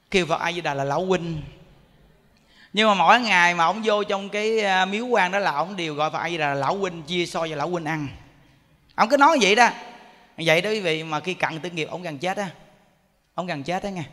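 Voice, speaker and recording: A man's voice: fairly high pitch, sharp tone. A man giving a Buddhist sermon and telling a story, often asking the audience questions. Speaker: Buddhist monk teaching. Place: temple hall. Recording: echoey hall.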